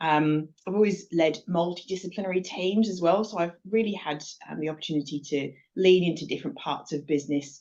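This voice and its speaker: A woman speaks with a Welsh accent. Her pitch variation is ordinary. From Wales. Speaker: business executive. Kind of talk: interview. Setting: podcast.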